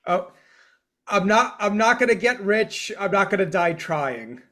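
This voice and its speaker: A man in his forties with a fairly high voice talks in a casual podcast chat. He restarts and repeats words often and jokes at his own expense. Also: expressive, fairly bright tone. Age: 40s. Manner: halting, repeats words, self-deprecating humor. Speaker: comedian guest.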